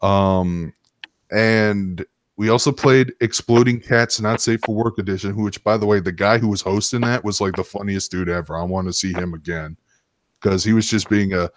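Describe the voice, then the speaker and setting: Male stream host, lower register, loose profane storytelling, dry recording. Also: steady tone, normal speed, no echo. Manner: rambling, profane. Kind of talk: casual storytelling chat.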